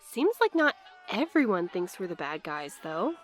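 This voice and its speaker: A woman's voice: on the low side, very animated, normal speed, soft background music. A woman playing an earnest, hopeful courier in an audio drama, polite and inquisitive.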